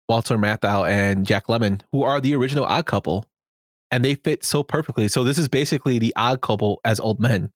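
A man co-hosting a podcast, reading out film credits and then chatting about movies in a relaxed way. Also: medium pitch, dry recording, clean studio sound. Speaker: podcast co-host. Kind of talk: casual movie chat.

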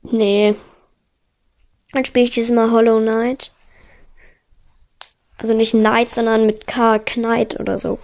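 A woman on a headset mic giving excitable let's play commentary, narrating every move and swearing when she fails. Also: on the high side, slow pace, pauses often. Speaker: gamer.

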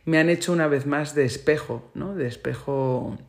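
A man from Spain with a Spain Spanish accent, giving a reflective solo monologue as a podcaster. He talks in a thoughtful way and often pauses to search for the right word. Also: fairly high pitch, creaky.

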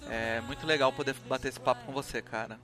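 A man's voice: mid-range voice, steady tone, fast. A Brazilian man hosting a casual live sports show. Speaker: host. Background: music.

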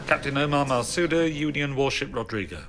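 An actor playing an officer who formally announces speakers in a science fiction audio drama, procedural and official. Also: male voice, medium pitch, lively intonation, brisk, vocal fry, noisy background. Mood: official, neutral. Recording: crowd murmur in the room.

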